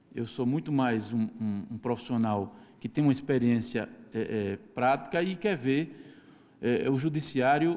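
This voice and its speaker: Lively intonation runs through talking at a moderate pace. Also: man. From Brazil, Rio Grande do Norte. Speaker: judicial council member, lecturer. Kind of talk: lecture. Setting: auditorium with audience. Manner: halting, many fillers. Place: hall. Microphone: podium.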